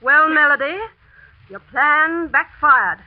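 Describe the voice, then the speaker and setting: Cunning schoolteacher, high voice, icy and accusing, old radio drama. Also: female voice, expressive, slow pace, no room sound. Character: cool, cunning woman who poisons. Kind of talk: 1940s radio acting. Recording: muffled 1940s radio broadcast.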